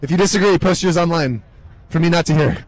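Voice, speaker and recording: A young man commentating a live match, mixing play-by-play with deadpan jokes. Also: a little high, fast, no echo, poor audio. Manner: deadpan joking asides. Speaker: sports commentator. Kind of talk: comedic live sports commentary.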